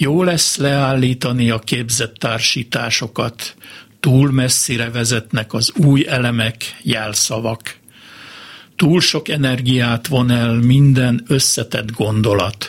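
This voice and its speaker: Intonation stays fairly even as a man talks very slowly at a medium pitch. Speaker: poet and visual artist. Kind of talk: radio interview. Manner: halting, many fillers and repetitions.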